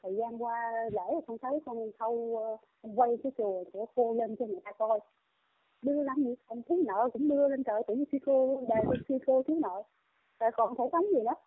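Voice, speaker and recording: A woman's voice: fairly high pitch, no room sound. Indignant Southern Vietnamese woman on a phone line. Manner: scolding, indignant. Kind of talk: heated phone monologue. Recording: tinny dry phone line.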